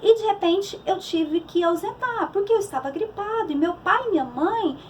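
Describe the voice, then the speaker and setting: A woman's voice: very high-pitched, moderate pace, far from the mic, slight background noise. A middle-aged woman psychologist with a Brazilian Portuguese accent, giving a conversational church talk on emotions with many restarts and fillers.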